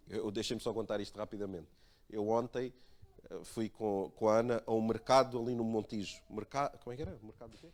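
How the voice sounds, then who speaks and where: A male pastor with a European Portuguese accent, giving a conversational sermon built around a personal story. He tells it in a lively way, laughs at himself and acts out the dialogue. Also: on the low side. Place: church.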